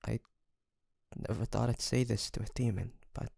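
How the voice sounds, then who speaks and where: A man playing a weary, guarded but tender demon hunter in an intimate audio drama, speaking softly and haltingly. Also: medium pitch, steady tone, gravelly, no room sound, clean studio sound. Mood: tender, grateful. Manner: hesitant, halting, sighing, soft-spoken.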